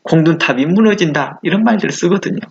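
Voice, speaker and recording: A man's voice: fairly high pitch, quick pace, creaky, lo-fi sound. A male pastor giving a conversational sermon, asking the listeners questions and acting out the exclamations he quotes. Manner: conversational preaching with rhetorical questions.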